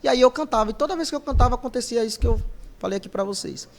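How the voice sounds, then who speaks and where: A man with a fairly high voice for his sex tells stories as a guest on a podcast, speaking casually and conversationally. He brings his anecdotes to life by acting out the voices of the people he quotes. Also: racing, gravelly. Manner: lively storyteller who acts out quoted voices. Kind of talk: casual storytelling interview.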